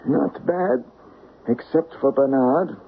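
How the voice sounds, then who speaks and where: A man's voice: mid-range voice, lively intonation, takes it slowly, gravelly. A man playing a hard, businesslike jewel thief in a radio mystery, speaking tersely and bluntly. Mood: cool, businesslike. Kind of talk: old-time radio mystery acting. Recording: muffled vintage radio broadcast, faint hiss.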